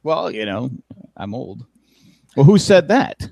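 A man's voice: mid-range voice, very animated, slow, creaky, darkish tone, dry recording. Fifty-something guy chatting on a podcast, voice jumps around a lot, dry close sound. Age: 50s. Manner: rambling, self-correcting, wry about aging. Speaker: podcast co-host. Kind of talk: casual chat.

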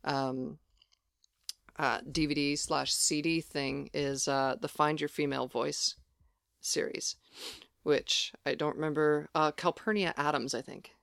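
A woman's voice: low voice, steady tone, measured pace, vocal fry, fairly bright tone, clear, resonant tone, dry recording, clean studio sound. A trans woman co-hosting a podcast, explaining things in a practical, step-by-step way. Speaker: podcast co-host. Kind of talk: casual conversation.

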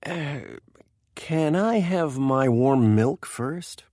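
An actor playing a nervous, deadpan presidential aide who tells his story with dry quips in a comic radio play. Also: medium pitch, drawn-out words, no echo.

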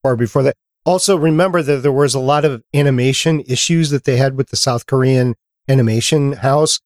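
A man hosting a podcast in casual chat, steering the talk and quickly adding facts. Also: mid-range voice, no room sound, clean studio sound. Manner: leads the talk, quick and factual. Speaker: podcast host.

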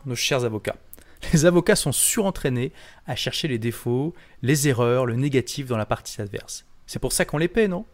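A young man giving a punchy, emphatic motivational talk straight to his audience. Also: mid-range voice. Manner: punchy, animated, emphatic delivery. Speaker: self-help presenter.

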